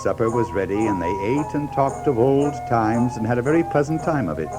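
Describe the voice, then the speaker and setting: A man's voice: medium pitch, low-quality recording. A man narrating a children's story from a script.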